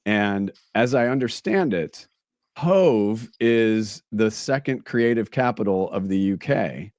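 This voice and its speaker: A man hosting a casual interview, a little raspy and hoarse. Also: on the low side, lively intonation, slow, a little mellow, no room sound, clean studio sound. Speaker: podcast host.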